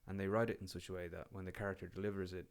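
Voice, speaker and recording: A deep-voiced Irish man, a guest on a podcast, talking in a loose and casual way. He rambles, restarts his sentences and drops the odd swear word. His low voice has a gravelly, creaky edge. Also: little pitch movement, racing. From Ireland. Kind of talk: casual conversation.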